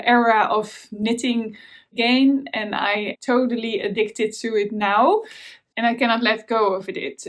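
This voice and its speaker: A Dutch woman with a Dutch accent hosting a knitting vlog, talking in a casual, hesitant way with many fillers and restarts. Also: fairly high pitch. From Netherlands. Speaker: knitting podcast host. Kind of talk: casual chat to camera.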